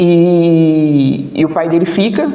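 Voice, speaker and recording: Noticeable background noise and audible room echo around a man with a fairly high pitch. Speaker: lawyer and literature graduate student, lecturer. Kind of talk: lecture. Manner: fast when excited; hesitant, many fillers.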